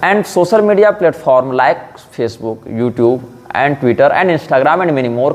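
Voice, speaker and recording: A man with a non-native accent talks at a fairly slow pace, his pitch medium and his intonation lively. Music plays in the background. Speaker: spiritual leader. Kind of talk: public statement. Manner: formal.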